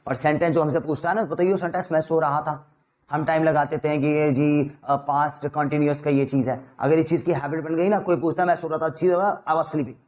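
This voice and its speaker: Man, Indian accent, spoken English teacher, coaxing, fast drills, slightly high voice. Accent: Indian, mixing Hindi and English. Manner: energetic, coaxing drill instructor. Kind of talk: online spoken English lesson.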